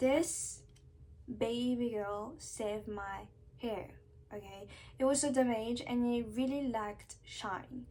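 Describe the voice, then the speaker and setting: Her voice has a dark, mellow tone at a fairly high pitch with fairly even intonation. This woman speaks at a very slow pace with long, frequent pauses. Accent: non-native. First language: not English. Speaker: beauty and hair care vlogger. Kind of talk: product review talk to camera.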